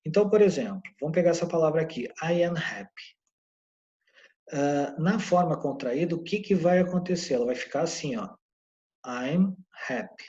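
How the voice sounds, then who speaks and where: A man with a Brazilian Portuguese accent explaining English grammar casually, often checking in with the learner and drawling example phrases slowly. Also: on the high side, dark tone. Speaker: English teacher. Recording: dull lo-fi recording.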